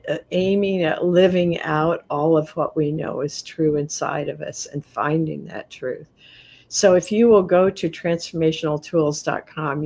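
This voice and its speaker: A woman hosting a spiritual live stream and giving card readings, talking in a gentle, earnest way with soft laughs, her voice a little worn. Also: low-pitched. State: losing her voice. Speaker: host and card reader.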